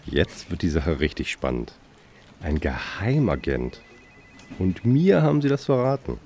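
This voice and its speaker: A man's voice: deep voice, very animated, measured pace, darkish tone, heavily acted. An actor playing a dry, sarcastic male police dispatcher taking an emergency call. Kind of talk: radio play acting.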